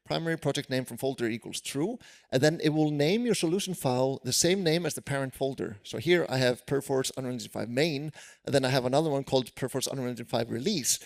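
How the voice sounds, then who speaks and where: A man with an Icelandic accent, a programmer presenting tips on stage at a conference in a casual, self-deprecating way with many fillers. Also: fairly high pitch. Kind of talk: live conference tech talk.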